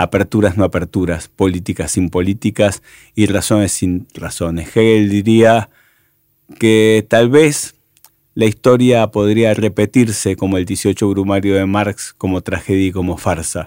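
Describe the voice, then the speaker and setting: A man's dark, mellow tone, fairly low in pitch, at a fairly slow pace with fairly even intonation, in a dry, close sound with no echo on a very clean recording with a silent background. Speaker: history teacher and podcast host. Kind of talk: scripted narration.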